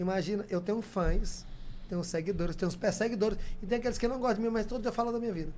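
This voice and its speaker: A man's high-pitched, animated voice at a very fast pace. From Teresina, Piauí, Brazil. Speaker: local personality, caregiver. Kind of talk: casual chat.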